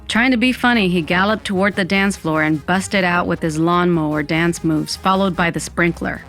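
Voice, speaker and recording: A wry Latina storyteller looking back on her teens. Her voice is fairly low, in scripted first-person narration with music underneath. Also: moderate pace, fairly bright tone.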